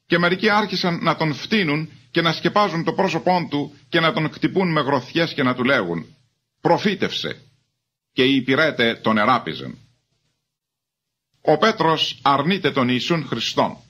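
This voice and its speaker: A man giving a measured, formal reading of scripture as a Bible reader. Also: a little high, expressive, bright, forceful tone.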